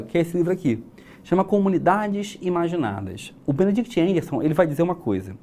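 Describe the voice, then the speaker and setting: A man's voice: medium pitch, warm tone. A young Brazilian man teaching an exam-prep class, chatty and explanatory, asking rhetorical questions. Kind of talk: recorded exam-prep lesson.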